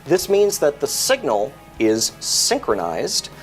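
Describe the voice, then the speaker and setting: Animated man explaining technical gear. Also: a little high, slow, soft background music, poor audio. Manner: articulate, methodical explainer. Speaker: technical product expert.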